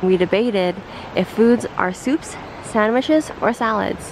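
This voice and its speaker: A woman speaks at a fairly slow pace. The sound is dry with no echo, and background noise is noticeable. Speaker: travel vlogger. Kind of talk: casual vlog chat. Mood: cheerful, relaxed. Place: forest. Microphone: phone near.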